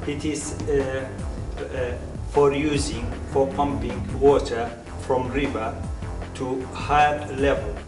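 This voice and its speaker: A man from northern Iraq, an inventor, answering interview questions in short, halting phrases. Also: mid-range voice, steady tone. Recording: roomy, distant, music underneath.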